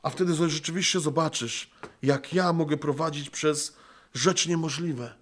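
A man preaching an earnest sermon, slowing down and softening when he quotes Christ, apparently speaking outdoors among trees. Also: a little high.

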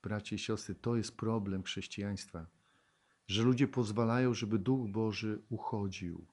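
A man preaches a sermon, reading Bible verses aloud and explaining them, asking the congregation questions and laughing often as he swings from loud exclamations to hushed tones. His voice is lowish and steady, delivered at a normal speed.

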